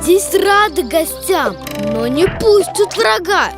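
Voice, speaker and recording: Very high, slow childlike verse reciter. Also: very animated. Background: music.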